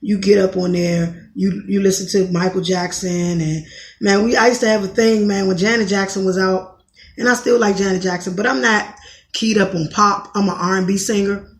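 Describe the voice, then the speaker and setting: A woman in her thirties from Washington, D.C., with a raspy voice, talking bluntly in a rambling podcast monologue and often correcting herself. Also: mid-range voice, fairly even intonation, moderate pace, echoey room. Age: 30s. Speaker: podcast host. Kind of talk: casual monologue commentary.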